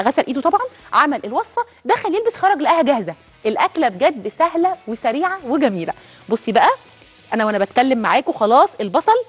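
Brief: Egyptian woman cooking host, rapid and high-pitched, chatty toward the viewer. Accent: Egyptian Arabic. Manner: chatty, addresses viewers directly. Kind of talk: cooking demonstration.

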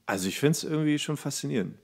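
A man's voice: fairly high pitch, lively intonation, fast talker, vocal fry, darkish tone, slightly rough. A man chatting casually as a podcast co-host, joking and teasing, often chuckling as he talks. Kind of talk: casual comedic banter.

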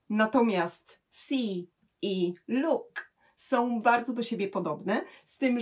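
A woman with a slightly husky voice explains grammar to learners. She speaks patiently and slows down to say each English example clearly. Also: medium pitch. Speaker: English teacher.

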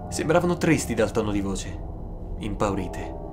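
Low-voiced man narrating horror. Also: sing-song. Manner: dramatic, suspenseful pauses. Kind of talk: scripted first-person horror narration. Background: music.

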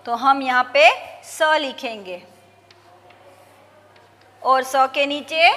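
A woman teacher going slowly and patiently through a lesson for young pupils, mixing English words into her talk. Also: sits high, bright, forceful tone, in a large hall.

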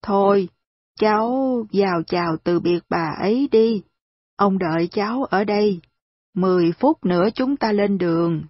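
A woman reading aloud voices a stern, gruff old man who gives blunt commands, in a slightly husky voice on a dull, dry recording. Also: medium pitch, measured pace, no room sound, natural voice.

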